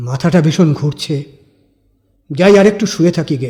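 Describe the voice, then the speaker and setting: A man speaks in a put-on character voice, pitched fairly high and moving at a fairly slow pace. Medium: read story. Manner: subdued, terse.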